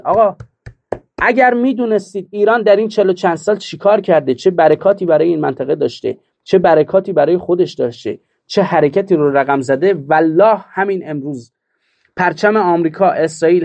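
A man delivering a political commentary monologue, emphatic and mocking, full of rhetorical questions. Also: sits high.

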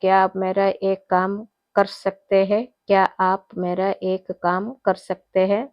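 A woman teaching a spoken Hindi lesson, repeating each phrase slowly and then explaining it. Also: medium pitch, completely flat delivery, smooth, no echo, dull audio.

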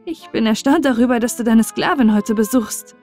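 A woman reads as a young storybook princess, sweet and deferential. Her speech is courteous and formal, lifted a little in pitch over music. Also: normal speed, darkish tone, lightly acted. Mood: welcoming.

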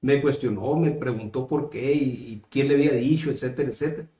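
Speaking a little fast in a dark, medium-pitched voice, a man in his fifties answers interview questions as a political candidate. He has a northern Mexican accent, comes from the coast of Caborca in Sonora, Mexico, and talks conversationally, often hesitating and repeating words as he searches for the next. He's seated at a table in a small room, and the audio has a roomy echo and slightly dull sound.

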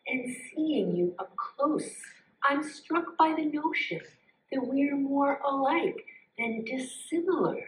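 A woman voicing a calm, curious green snake in a live puppet show, who asks polite, thoughtful questions. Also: high voice, takes it slowly. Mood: musing. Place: stage. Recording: roomy sound from a distance.

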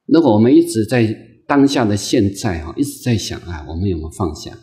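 A man lecturing as a Buddhist monk, his voice low and warm, never sharp. He circles back over the same phrases and moves through the talk patiently, filling gaps with soft drawn-out sounds. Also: sing-song. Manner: gentle, repetitive phrasing with many drawn-out "ah" fillers; slow, patient, coaxing delivery. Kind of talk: unscripted dharma lecture.

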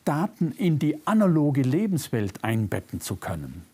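An older man with a faint Bavarian-Swabian German accent, reading a prepared lecture as a philosopher, measured and reflective, lifting his voice on key words. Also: on the high side, wildly swooping pitch, warm tone, husky. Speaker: philosopher giving a public lecture. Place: lecture room, seated at a desk. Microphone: lapel mic.

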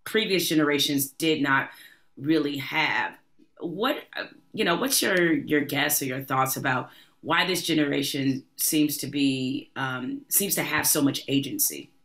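A middle-aged woman interviews her guest in a relaxed, conversational way, taking her time over each question. Her voice sounds bright and forceful. She is close on a podcast mic in a home room lined with bookshelves. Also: low-pitched, unhurried. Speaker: podcast host. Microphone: studio podcast mic close up.

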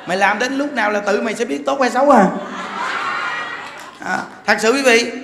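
A male monk giving a dharma talk in a lively, joking way, acting out quarrels with bursts of laughter. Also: extremely high pitch, normal speed, gravelly, crowd noise. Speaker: monk teacher. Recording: echoey hall with faint background noise.

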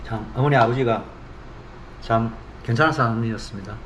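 A man's voice: medium pitch, fairly quick, heavy background noise. A middle-aged man from South Korea hosting a casual eating show, talking expressively as he savors his food, at times with his mouth full. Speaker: mukbang host.

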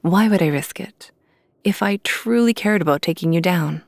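A woman playing a lovestruck, insecure vampire hunter in an intimate ASMR roleplay, speaking hesitantly and earnestly in a soft, confessional way. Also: fairly low pitch, vocal fry, dry recording. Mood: nervous, earnest. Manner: hesitant, pleading, soft confessional delivery with pauses. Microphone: close microphone, dry recording.

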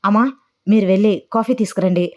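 Woman voicing a calm grown son. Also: medium pitch, quick pace, lo-fi sound, natural voice.

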